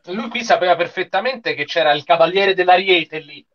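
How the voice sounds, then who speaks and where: A man with a fairly high voice chats over a slightly dull video call. He comments casually as one of a panel watching anime. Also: fairly quick.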